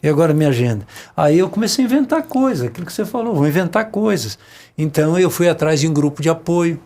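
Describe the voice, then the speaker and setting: Earnest man with a gravelly voice. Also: a little high, animated, fast talker, a little mellow. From rural Brazil. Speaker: panel guest. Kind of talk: casual panel conversation.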